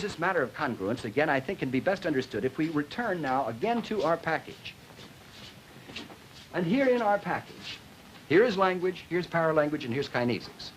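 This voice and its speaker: A noisy 1950s educational film soundtrack carries a man's fairly high, widely swinging voice. He lectures as a linguistics teacher, emphatic and deliberate, stressing key words as he explains.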